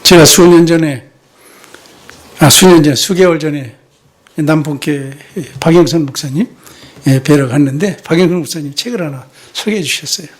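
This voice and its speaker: Brief: male missionary preacher with a high voice, sermon in a church, rhetorical questions and short interjections. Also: moderate pace. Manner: asks the congregation rhetorical questions, drops in short affirming "yes" interjections. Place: church sanctuary.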